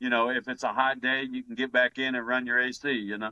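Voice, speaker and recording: A man at medium pitch with a Louisiana accent, a bright, sharp tone and a fairly quick pace, in a dry, close sound with no echo. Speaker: service club volunteer. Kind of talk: casual interview.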